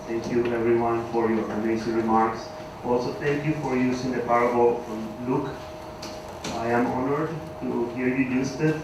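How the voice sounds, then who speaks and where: A man from Venezuela with a Venezuelan Spanish accent, speaking English as a conference panelist, self-deprecating and a bit hesitant. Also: mid-range voice. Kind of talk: conference remarks. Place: large conference hall. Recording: echoey hall, speaker far from mic, background noise.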